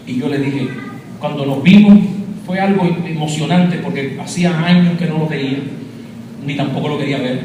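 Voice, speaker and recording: Man, preacher's testimony, fervent, high voice, far from the mic, booming echo, noisy. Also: moderate pace. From Puerto Rico. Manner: fervent, addresses listeners as brother. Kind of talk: testimony sermon. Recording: echoey hall, distant mic, noisy.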